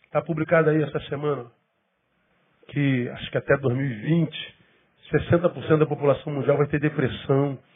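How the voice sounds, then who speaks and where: A man talks at a fairly high pitch and a fairly slow pace. Long, frequent pauses break up his speech. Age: 40s. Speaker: pastor. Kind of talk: sermon. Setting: church. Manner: animated.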